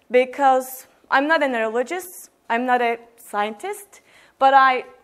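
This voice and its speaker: A woman with a Turkish accent talks at a fairly slow pace in a high voice. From Turkey. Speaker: English teacher. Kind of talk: conference presentation. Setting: stage with audience. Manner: energetic. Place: classroom.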